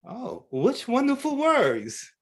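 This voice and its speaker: Man playing a measured, dry magazine editor. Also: extremely high pitch, wildly swooping pitch, exaggerated voice. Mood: dry, curt. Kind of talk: staged play reading. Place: online video call reading. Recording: video call audio.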